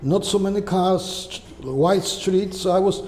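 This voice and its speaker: Older Polish-accented man, mellow and halting. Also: sits high. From Poland. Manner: halting, often tagging "okay?" and "right?". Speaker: guest. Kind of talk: conversational interview answers. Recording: echoey room with long reverb and faint hiss.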